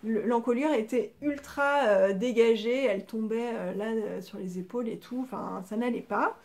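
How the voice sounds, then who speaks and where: A woman's voice: fairly high pitch, normal speed, darkish tone. A middle-aged woman hosting a crafting podcast, chatting casually and rambling as she shows her sewing, with frequent hesitations. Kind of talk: casual show-and-tell chat.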